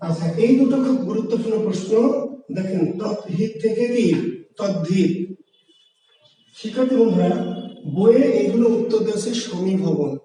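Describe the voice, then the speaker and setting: A man's voice: sits high, normal speed, long pauses, dark tone, far from the mic. A male teacher giving an exam-prep grammar lecture, explaining patiently and asking his own questions, then answering them. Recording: echoey room, voice from afar.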